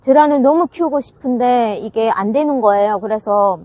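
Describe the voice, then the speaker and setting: A woman's voice: a little high, moderate pace, warm tone, dry recording, highs cut off. A woman chatting casually to her viewers about gardening, laughing often and restarting her sentences as she talks. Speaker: gardening channel host. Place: farm greenhouse.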